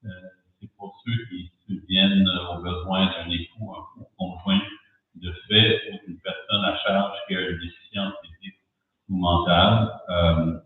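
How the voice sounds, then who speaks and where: A low-pitched man gives a halting candidate's answer at a debate, often repeating words. He is heard from far off in a very reverberant room. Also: little pitch movement. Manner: halting, frequent pauses and repeats. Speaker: election candidate. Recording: echoey room, far tinny mic.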